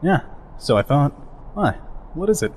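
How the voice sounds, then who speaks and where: A man's voice: on the high side, big pitch swings, moderate pace, a little mellow, slight background noise. A man playing a chatty, joking, easygoing male soldier in a fan dub of a game scene. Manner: chatty, joking, laughs easily. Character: easygoing, rambling older male soldier, goofy.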